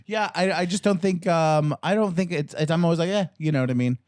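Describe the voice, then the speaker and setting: A man's voice: a little high, fast, darkish tone, dry recording. A man co-hosting a comedy podcast, rambling in casual chat with many fillers. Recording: dry close podcast mic.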